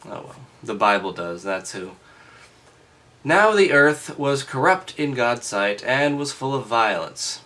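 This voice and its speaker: Male reader-commentator, mid-pitched, just out of bed; casual, halting read-aloud with dry, doubting asides. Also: lively intonation, pushed and bright. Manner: skeptical, wry asides. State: just woke up. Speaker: host reading aloud and commenting.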